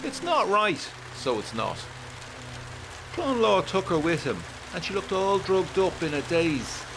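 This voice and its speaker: A man voicing a gruff, scornful Irish local with a blunt manner and raised voice in a gothic 1920s audio drama. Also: high voice, sing-song, measured pace, music in the background, voice pushed up, full character voice. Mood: scornful, indignant. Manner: blunt, raised voice over the rain. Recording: heavy rain noise behind.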